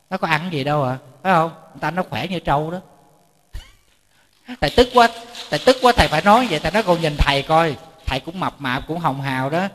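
A man, a Buddhist monk giving a chatty storytelling sermon, often repeating words and joking with his audience. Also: on the high side. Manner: jokes with the audience. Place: temple lecture hall. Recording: reverberant hall.

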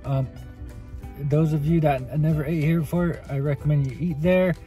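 A man with a Native American reservation accent talks in a casual, joking vlog style. His voice is slightly high and mellow, recorded on a phone inside a truck, with some music behind. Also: fairly even intonation, moderate pace. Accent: Native American (Navajo reservation). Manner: jokey, playful. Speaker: family vlogger. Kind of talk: casual vlog chat to camera. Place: inside a parked pickup truck. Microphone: phone at arm's length.

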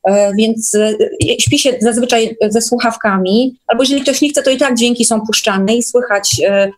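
A woman's voice: fairly high pitch, normal speed. A woman speaking as a guest in a casual online interview, sharing experiences conversationally. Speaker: guest recounting course experiences. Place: online call.

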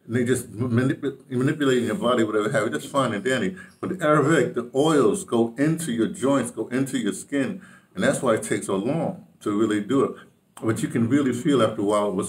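A man's voice: medium pitch, recorded from a distance. An older man giving a casual, rambling health update to his camera in a small bedroom, often restarting his sentences. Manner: rambling, with many restarts and fillers. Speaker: vlogger. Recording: roomy echo, voice from off the mic.

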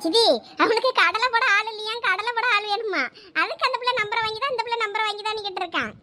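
A woman's voice: very high voice, fast, background noise. A young woman, acting a cheeky, chatty college girl who teases her friend in a village comedy skit. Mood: teasing. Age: young adult. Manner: teasing, chatty, giggly. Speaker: comic skit actor.

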